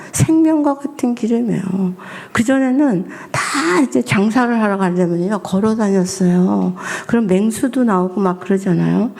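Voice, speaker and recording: A middle-aged woman missionary preaching at a Friday prayer meeting, asking the congregation questions. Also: fairly high pitch. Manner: lively, asks the congregation questions. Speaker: missionary and family counselor.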